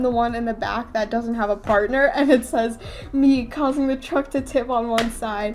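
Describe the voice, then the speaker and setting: A high-pitched woman at a moderate pace with fairly even intonation, over noticeable background noise. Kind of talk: casual talk to camera.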